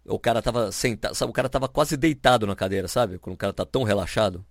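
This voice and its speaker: Brazilian man, podcast host, rapid animated storytelling, dry close sound. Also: lowish voice, dry recording. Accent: Brazilian Portuguese. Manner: animated, acts out quoted people. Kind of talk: casual storytelling chat.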